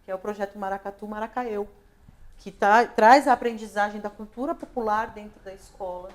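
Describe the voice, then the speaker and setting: A woman's voice: medium pitch, fairly even intonation, brisk. A Brazilian woman speaking as an interview guest, thoughtful and reflective, often adding "né?" and restarting her phrases. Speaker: guest, actress, director and lighting designer. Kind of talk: casual interview talk. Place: local talk show broadcast on social media.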